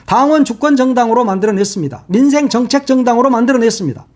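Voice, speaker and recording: A man hosting a casual political commentary monologue, heated and mocking, swearing freely and swinging between shouting and muttering asides. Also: extremely high pitch, fast. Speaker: political commentary channel host.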